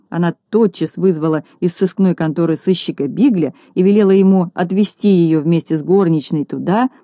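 Woman audiobook narrator, storybook reading, low warm voice. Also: no echo.

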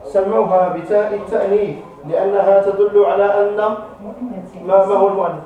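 A man's voice: high-pitched, little pitch movement, fairly quick, mellow, soft background music. A man teaching a grammar class. He quizzes the students and repeats the key terms. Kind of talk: classroom lesson. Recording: echoey classroom, mic far off.

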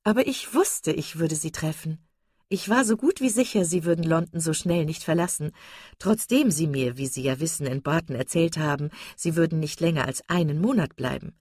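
A woman's voice: low-pitched, darkish tone, husky, no echo, studio quality. A woman voicing a young woman who gushes with false sweetness and sly digs.

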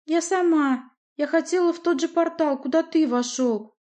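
A woman voicing an impulsive, haughty young lioness princess who talks high and emotional. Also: moderate pace, darkish tone, close to an everyday voice. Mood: earnest.

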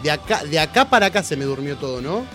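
A man's voice: on the high side, fast, over music. A young man with an Argentine Rioplatense accent, a radio host telling a funny story in a casual, laughing way full of slang. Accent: Argentine Rioplatense Spanish. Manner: animated, laughing, heavy slang. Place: radio studio.

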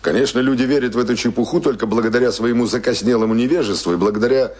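An actor playing a passionate, embittered young writer in a Russian radio play, declaiming proudly and scornfully in long tirades. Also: male voice, medium pitch, racing, a little mellow, slightly rough, lightly acted.

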